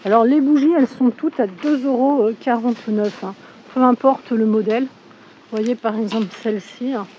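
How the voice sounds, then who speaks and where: A woman with a hoarse voice from a cold, chatting casually as she shows products in a supermarket on a handheld phone. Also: a little high, normal speed, mellow, muffled recording, a little hiss or hum. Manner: chatty, with frequent fillers. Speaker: shopping vlogger. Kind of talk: casual store walkthrough. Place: inside a supermarket.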